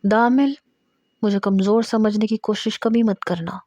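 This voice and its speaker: Female storyteller, intimate first-person narration, mellow tone. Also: medium pitch, dry recording, dull audio. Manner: steady, intimate storytelling with emotional emphasis in quoted lines.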